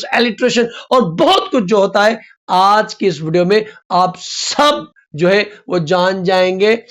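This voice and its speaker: A man teaching a lesson on poetic rhythm, drawing out his example words slowly. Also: sits high. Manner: drawn-out stressed example words. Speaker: literature teacher. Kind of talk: explanatory lesson.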